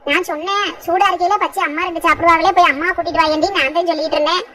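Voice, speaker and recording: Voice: very high voice, fairly even intonation, very fast, bright, forceful tone. A voice actor playing a young village husband in a cartoon, pleading with his mother and wife to stop quarrelling. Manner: pleading and soothing with rural speech. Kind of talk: cartoon voice acting.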